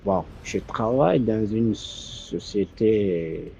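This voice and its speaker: Deep slow man, Arabic native speaker. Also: expressive, creaky, dark tone, a little hiss or hum, poor audio. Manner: halting, polite, searching for words. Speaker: listener sharing a personal story. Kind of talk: voice-message testimony.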